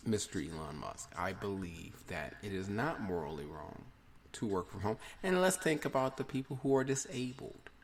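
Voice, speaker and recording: A man's voice: mid-range voice, slight background noise. A man hosting his own podcast, talking in a chatty, rambling, opinionated way in a casual solo monologue. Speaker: podcast host.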